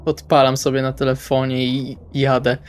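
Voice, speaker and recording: A man's voice: medium pitch, monotone, moderate pace. Man playing a tabletop game, conversational. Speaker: player. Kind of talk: casual describing of own character's actions.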